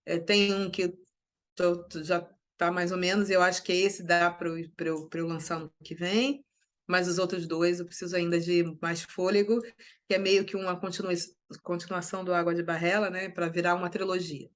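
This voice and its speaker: A woman's voice: on the low side, moderate pace. Emphatic Brazilian woman writer, chatting. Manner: animated and emphatic, with many restarts and tag questions. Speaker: writer and journalist, interview guest. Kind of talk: conversational interview.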